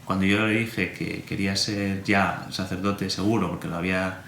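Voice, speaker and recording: Low-voiced man telling his story. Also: normal speed, vocal fry. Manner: animated storyteller, acts out remembered dialogue. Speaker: priest. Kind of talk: personal storytelling interview. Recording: roomy echo, faint room hum.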